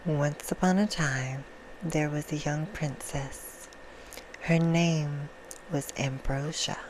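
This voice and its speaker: A woman voicing a seductive, courtly vampire hostess for ASMR, soothing and sinister, in a slow, hushed half-whisper. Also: low-pitched, low-quality recording. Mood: soft, storytelling. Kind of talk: ASMR roleplay, bedtime storytelling. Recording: clear background noise.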